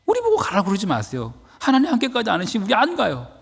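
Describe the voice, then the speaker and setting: A man's voice: high voice, huge pitch swings, fast talker, vocal fry, slightly rough, long reverb tail, voice pushed up, exaggerated voice. A man preaching who voices Moses, urgently pleading with God not to send the people on alone.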